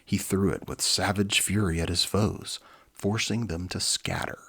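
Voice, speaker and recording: A man's voice: low-pitched, steady tone, unhurried, a bit bright, slightly rough. A man presenting and reading a children's storybook, with an easygoing, informal manner. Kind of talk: dramatic reading with casual asides.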